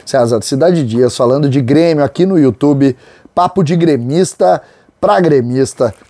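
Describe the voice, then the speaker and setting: A middle-aged host from Rio do Sul delivers opinionated football commentary in a chatty way, leaning on drawn-out words to make his points. His voice is mellow and dark in tone. It is recorded dry and close on a lapel mic in a small studio. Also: on the high side, no echo. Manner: conversational and opinionated, with drawn-out emphasis on key words. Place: small studio with a branded backdrop, indoors.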